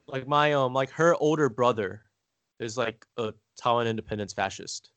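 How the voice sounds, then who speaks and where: A man's voice: mid-range voice, moderate pace, a bit bright, dry recording. An American man chatting casually as a guest, rambling and hesitant with lots of "like" fillers. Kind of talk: casual conversation.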